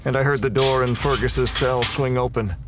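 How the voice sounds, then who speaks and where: A man's voice: medium pitch, steady tone, normal speed, background noise. A man performing scripted, dramatic first-person narration for a horror audio drama.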